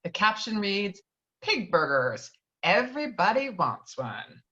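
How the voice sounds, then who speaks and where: A woman narrates the action of a film script at an informal read-through. Her voice sits at an average pitch, and she trips on words and corrects herself. The audio is a little dull and lo-fi. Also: big pitch swings, slow, bright, forceful tone. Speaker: reader of stage directions. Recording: dull lo-fi online call audio.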